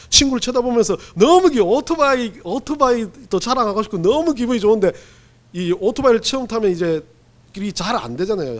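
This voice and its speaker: A man preaching a sermon as pastor, telling stories in an animated, humorous way and acting out quotes. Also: high voice. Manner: animated storytelling with acted-out quotes; humorous, laughs while preaching.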